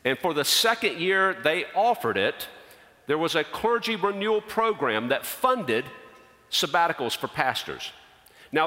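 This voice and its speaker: A middle-aged male pastor telling a personal story in a sermon, animated and dropping his voice low for emphasis. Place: church. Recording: long hall reverb.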